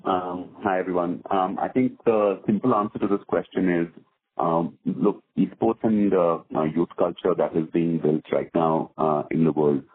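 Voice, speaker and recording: A man with a husky voice, a business executive answering off the cuff on a conference call. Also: low voice, steady tone, normal speed. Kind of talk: spontaneous corporate answer. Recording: muffled narrowband phone line.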